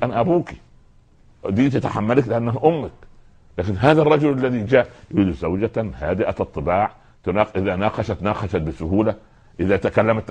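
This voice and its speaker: Male preacher, very low voice, rapid, earnest and admonishing, speaks straight to the congregation. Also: breathy edge. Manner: earnest, admonishing, addresses listeners directly, acts out quoted voices. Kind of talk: sermon.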